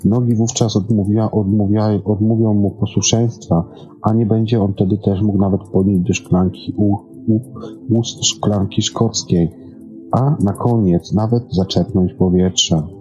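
A man with a low, mellow voice presents a science programme from a script. He reads haltingly and trips over words now and then. The recording is dull and lo-fi, with music playing behind him. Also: steady tone. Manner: halting reading with stumbles and repeated words. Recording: dull lo-fi sound.

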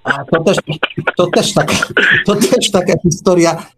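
A man's voice: sits high, a little slow, slightly rough. Thoughtful male radio host. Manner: thoughtful, hesitant. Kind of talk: radio talk show hosting.

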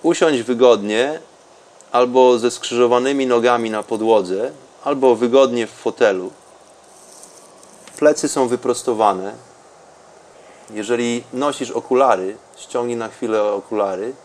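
A man speaking in a calm, unhurried, soothing way with long pauses, as a podcast host and meditation guide. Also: mid-range voice.

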